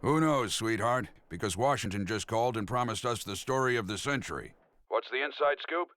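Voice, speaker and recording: Man playing blustering newspaper chief, swooping pitch. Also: lively intonation, brisk, fairly bright tone, dry recording, close to an everyday voice. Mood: eager, brisk. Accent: American. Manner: blustering, incredulous. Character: gruff, exasperated male newspaper chief, middle-aged or older. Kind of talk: motion comic voice acting.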